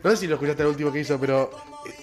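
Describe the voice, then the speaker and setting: A man with an Argentine accent in an excitable casual chat as a podcast host. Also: fairly high pitch, very fast, soft background music.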